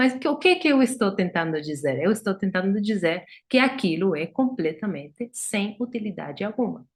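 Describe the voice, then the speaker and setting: In a very clean recording with a silent background, a somewhat breathy voice with a Spanish accent moves at a moderate pace with hardly any pauses and very wide pitch swings. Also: woman, medium pitch for a woman. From Argentina, Buenos Aires. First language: Spanish (speaking Portuguese). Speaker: interpreter and translator. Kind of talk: lecture. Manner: hesitant, repeats words.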